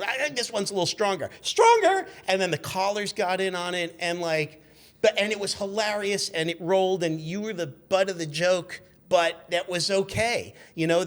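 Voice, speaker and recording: A man in his fifties telling stories casually and in an animated, profane way as a podcast guest. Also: sits high. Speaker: podcast guest, former radio intern. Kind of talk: casual storytelling.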